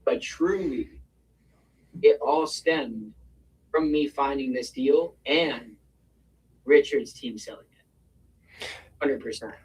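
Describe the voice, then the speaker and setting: A man talking as a guest real estate investor on a video call, telling his deal story in an animated way and acting out the quotes. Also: mid-range voice, slow pace, pauses often, distant mic, low-quality recording.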